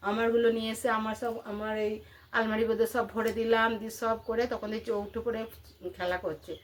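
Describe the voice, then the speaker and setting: A woman's voice: a little high, flat delivery, fast talker. A middle-aged woman with an Indian Bengali accent chatting casually to viewers in a home vlog, repeating herself and asking rhetorical questions. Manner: chatty and repetitive, addressing listeners with frequent rhetorical questions. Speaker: housewife vlogger.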